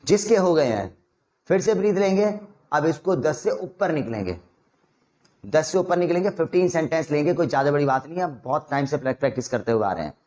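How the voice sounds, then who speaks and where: Energetic Indian man teaching spoken English. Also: on the high side, fairly quick. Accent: Indian, mixing Hindi and English. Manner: energetic, coaxing drill instructor. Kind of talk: online spoken English lesson.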